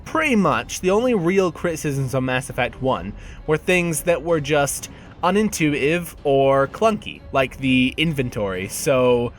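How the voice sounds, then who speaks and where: Man narrating a video review over music. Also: medium pitch. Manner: conversational, candid, wry, mildly sweary. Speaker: game reviewer and host.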